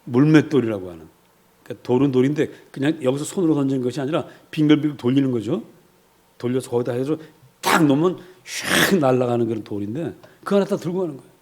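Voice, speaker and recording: A man's voice: mid-range voice, animated, quick pace. A male pastor preaching a sermon in a church, telling stories animatedly, acting out quotes and having the congregation repeat after him.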